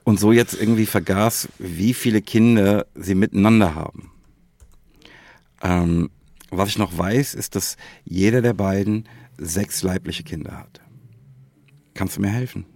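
A man's voice: sits low, a little slow, gravelly, a little mellow, no echo. A man, co-hosting a casual podcast chat and often tagging phrases with a questioning "ne?". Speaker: podcast co-host, quiz poser.

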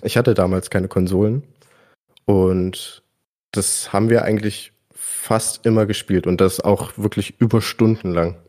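A man's voice: on the low side, fairly even intonation, a little slow, a little mellow. A man chatting casually and informally about video games as a podcast guest, using youthful slang. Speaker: podcast guest presenting his favourite games.

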